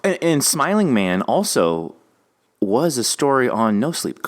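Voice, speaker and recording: A man's voice: mid-range voice, sing-song, unhurried. A man hosting a podcast in casual conversation, earnest and prone to repeating phrases for emphasis. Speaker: podcast host. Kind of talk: casual interview chat.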